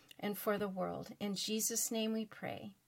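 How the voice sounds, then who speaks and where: A woman with a fairly high pitch speaks at a fairly slow pace in an ordinary speaking voice, on a very clean recording with a silent background. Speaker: pastor. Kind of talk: devotional teaching followed by fervent prayer. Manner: earnest, warm; fervent, pleading.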